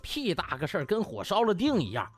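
A man's voice: high-pitched, wildly swooping pitch, a little fast, husky, no room sound, pitched above the performer's own voice, exaggerated voice. A man voicing a cocky, teasing young doctor with a breezy, mocking manner in an audiobook. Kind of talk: audiobook character acting. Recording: music behind the voice.

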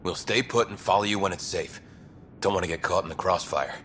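A man's voice: low-pitched, fairly quick, a bit bright, slight background noise. A man playing a weary, grateful settler and former smuggler in a video game, speaking in an earnest, subdued way. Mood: earnest, resigned. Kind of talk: video game cutscene acting.

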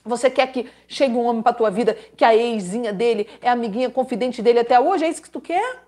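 With a warm, slightly high voice and a quick pace, a woman gives relationship advice on a live stream, reading letters aloud. She scolds emphatically, repeating herself dramatically and throwing in religious exclamations.

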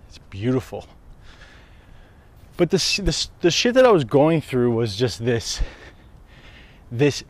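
A man, chatting casually while walking down a residential street, camera held at arm's length, swearing freely and laughing at himself. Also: medium pitch. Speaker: wellness vlogger. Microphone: handheld camera at arm's length.

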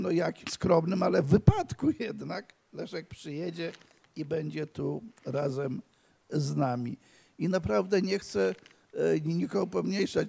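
A man's voice: fairly high pitch, creaky, mellow, slightly rough. An older man giving a rambling, anecdotal speech to an audience at an evening in his honour, with many restarts and stammers. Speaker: guest of honour speaking at his tribute evening. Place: library event hall.

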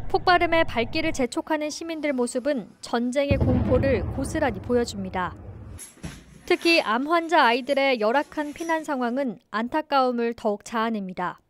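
A woman reporter narrating a news story in a measured, scripted reading. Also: high-pitched, slight background noise.

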